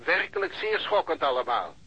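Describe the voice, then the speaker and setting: A man playing a pompous, impatient police chief in a radio drama, formal and officious, with a raspy voice over a telephone. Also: fairly high pitch, sing-song, moderate pace, sharp tone, exaggerated voice. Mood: brusque, self-important. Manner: self-important, formal, officious. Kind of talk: Dutch radio drama acting. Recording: muffled band-limited phone line.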